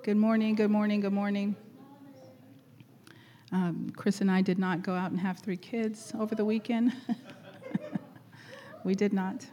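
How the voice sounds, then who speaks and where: A middle-aged woman leading a church gathering, chatty and laughing often, her voice going hoarse. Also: medium pitch, level tone, measured pace, long pauses, dark tone, dull audio. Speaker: church leader. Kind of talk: warm casual church greeting and exhortation.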